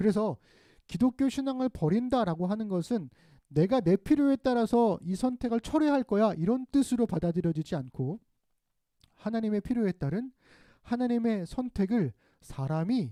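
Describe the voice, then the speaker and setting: Speech at a moderate pace, broken up by long, frequent pauses. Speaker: pastor. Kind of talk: sermon.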